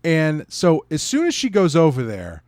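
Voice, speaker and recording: A man co-hosting a podcast, chatting informally about a review and halting as he searches for words. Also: a little high, huge pitch swings, a little mellow, dry recording, studio quality. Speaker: podcast co-host. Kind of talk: casual review chat.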